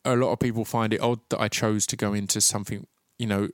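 A man's voice: on the low side, little pitch movement, fast, no echo, studio quality. A man hosting a podcast, talking with a noticeable stutter that makes him repeat sounds at the start of words. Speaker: podcast host. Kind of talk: casual interview and reflective monologue.

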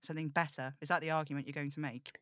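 A woman's voice: deep voice, fairly even intonation, very fast, fairly bright tone, no echo. Woman playing a defiant, snappish broadcaster, dry sound. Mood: sarcastic, guarded. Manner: snappish, sarcastic, exasperated. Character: defiant, burdened young male radio broadcaster with magical powers. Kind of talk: audio drama table read.

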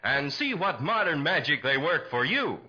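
A man's voice: on the high side, sing-song, normal speed, pushed and bright. An American man announcing and narrating a 1940s radio show with emphatic, dramatic salesmanship. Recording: muffled 1940s radio recording.

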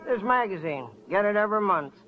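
Indifferent, drawling hotel clerk, a bit high; old muffled radio with faint hiss. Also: male voice, animated, brisk. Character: lazy, dreamy male hotel desk clerk. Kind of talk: 1950s radio drama acting.

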